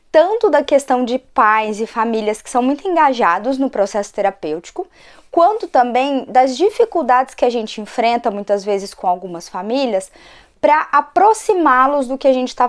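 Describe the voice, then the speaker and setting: A hoarse woman, fighting a cold, giving a conversational educational talk to her channel as an occupational therapist. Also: fairly high pitch, expressive, normal speed. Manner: conversational, frequent tag questions.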